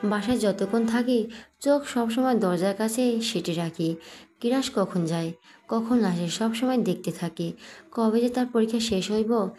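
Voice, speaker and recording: A young woman narrating a first-person audio story in a playful, lively way and voicing every character herself. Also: a little high, measured pace, soft background music.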